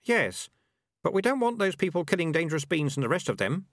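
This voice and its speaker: Man voicing an earnest high-pitched boy. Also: sing-song, a little fast, dry recording, clean studio sound. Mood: uneasy. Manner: earnest, questioning, uneasy. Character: naive, honest, worried young boy.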